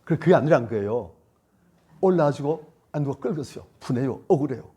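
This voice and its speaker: A male pastor preaching a sermon, emphatic and repetitive, swinging between loud lines and hushed ones. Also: medium pitch, animated, brisk, slightly rough. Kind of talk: sermon at a church retreat.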